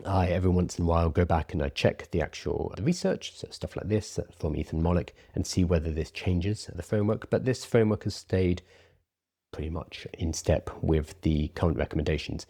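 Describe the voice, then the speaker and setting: Male presenter, low and relaxed tone, informal teaching delivery, emphatic on key points, soft rounded R's. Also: a little fast, vocal fry, slightly rough. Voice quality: soft R's pronounced like W's. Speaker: presenter teaching prompt writing. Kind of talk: conversational presentation to an audience.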